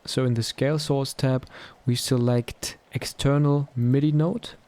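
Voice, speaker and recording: Man, mid-pitched voice, casual tutorial presenter, explanatory narration. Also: steady tone, measured pace, warm tone, dry recording.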